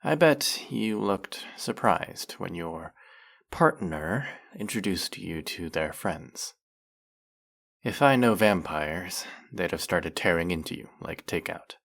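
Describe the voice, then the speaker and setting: A man playing a centuries-old, brooding vampire hunter in an audio roleplay, questioning with measured, wry menace. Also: low voice, vocal fry, full character voice. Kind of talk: dramatic audio roleplay, addressing the listener.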